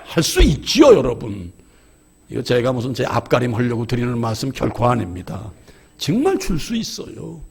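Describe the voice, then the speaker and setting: A man preaching a sermon as pastor. He tells candid stories about himself and swings between hushed asides and shouted emphasis. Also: medium pitch, huge pitch swings, normal speed, creaky, breathy edge. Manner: candid, self-deprecating storytelling. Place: church.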